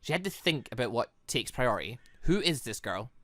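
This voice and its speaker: Man voicing a measured, deferential young villainess. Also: mid-range voice, very animated, a bit bright, no room sound, pitched below the performer's own voice. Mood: deferential, uneasy. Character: scheming young female villain, deferential to her mistress.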